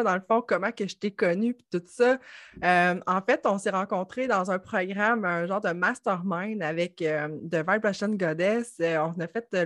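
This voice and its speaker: A woman's voice: medium pitch, no echo, clean studio sound. A woman with a Quebec French accent hosting a podcast interview, talking in an effusive, enthusiastic way. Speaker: podcast host.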